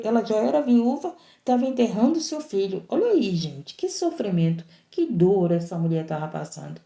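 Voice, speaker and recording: A woman's voice: medium pitch, warm tone, echoey room. A woman, a missionary preaching a sermon in an impassioned, repetitive, emphatic way.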